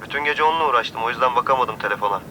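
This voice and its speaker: A man's voice: mid-range voice, racing, bright, forceful tone, slight background noise, rough recording. An actor playing a confident, easygoing young man who teases and reassures his sister in a TV drama. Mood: reassuring. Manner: easygoing, teasing. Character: confident young man, warm big brother. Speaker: landowner's son, brother. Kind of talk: TV drama acting. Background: music.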